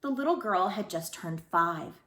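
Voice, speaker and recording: A woman speaking as a school librarian who reads storybooks aloud to children in an expressive way. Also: medium pitch, moderate pace, echoey room. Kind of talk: storybook read-aloud with informal introduction.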